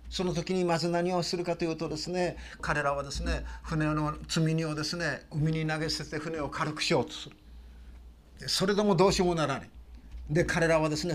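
An older man preaching a sermon as a pastor, telling the story with frequent "desu ne" fillers and sudden loud bursts when he acts out quoted lines. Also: on the high side.

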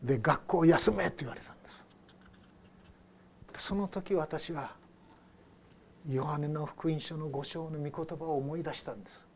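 An older male pastor preaching a sermon with a fairly high voice. He talks in a loose, conversational way, telling stories and putting questions to his listeners. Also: moderate pace, long pauses, darkish tone, slight background noise. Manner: conversational storytelling with rhetorical questions.

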